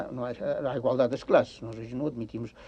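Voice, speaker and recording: A man with a Beira accent. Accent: Beira region Portuguese. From Portugal. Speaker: novelist. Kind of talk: radio interview answer. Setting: old radio broadcast recording. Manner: hesitant, halting.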